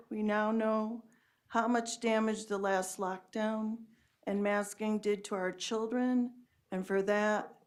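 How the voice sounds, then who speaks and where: A woman's voice: mid-range voice, darkish tone. Firm woman giving public testimony. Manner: firm, pointed, reading prepared remarks. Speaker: school librarian testifying. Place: public board meeting room.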